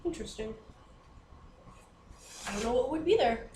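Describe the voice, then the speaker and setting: A woman's voice: fairly high pitch, expressive, normal speed, warm tone. A woman playing a tabletop game and chatting casually with the group. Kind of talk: casual chat. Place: indoor room with other players. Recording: echoey room, distant mic, clear background noise.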